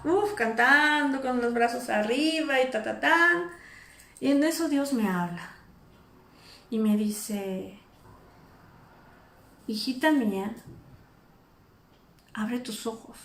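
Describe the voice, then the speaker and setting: A woman preaching an informal sermon, animated and acting out the people she speaks of. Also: a little high, roomy sound. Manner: animated, acts out imagined speakers.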